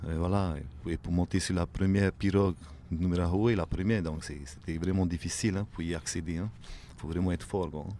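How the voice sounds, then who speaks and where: A man, talking casually as a guest on a radio show, filling pauses with "ben", "hein" and "voilà". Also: deep voice, steady tone, dark tone, a little hiss or hum. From Tahiti. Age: late 30s. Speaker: guest, outrigger canoe paddler. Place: radio studio.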